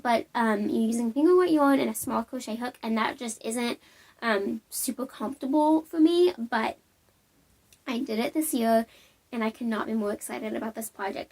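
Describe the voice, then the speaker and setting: Brief: young woman hosting a knitting vlog, slightly sniffly, friendly chatty delivery, a bit high. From Alabama, US. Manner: chatty, upbeat, lots of ums and likes. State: sniffly from a cold. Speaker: knitting podcast host. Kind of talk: casual show-and-tell vlog.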